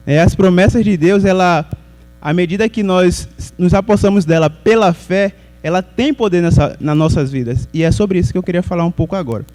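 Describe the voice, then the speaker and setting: Man, preacher, high-pitched, conversational sermon, faint music and hum behind. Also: fairly quick, a little mellow, low-quality recording. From Salvador, Brazil. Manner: conversational preaching, asking the audience questions.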